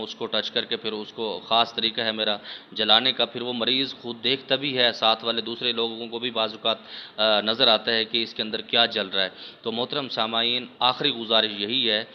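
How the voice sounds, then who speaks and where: A man's voice: lowish voice, muffled recording, a little hiss or hum. A man teaching viewers earnestly, a spiritual healer explaining how to treat a patient, speaking in an instructional religious talk. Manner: earnest, addresses listeners repeatedly as respected audience.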